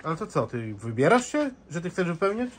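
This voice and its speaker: A man's voice: fairly high pitch, big pitch swings, brisk, a little hiss or hum. A man in casual chat, coaxing and insistent, who soothes the other man when he cries.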